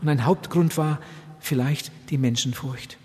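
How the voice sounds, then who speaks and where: A man preaching a sermon and telling a story, swinging from loud, urgent appeals to hushed, almost whispered passages. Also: on the high side, unhurried. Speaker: evangelist preacher. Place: large event hall. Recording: long hall reverb.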